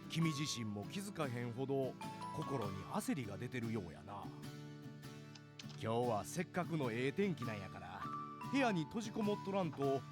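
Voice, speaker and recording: A man acting a wise older gentleman in a visual novel, with a Kyoto accent. His gentle, philosophical speech has plenty of rise and fall and moves along briskly. Clear music plays underneath. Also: medium pitch, big pitch swings, natural voice. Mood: kindly, reflective. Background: game background music.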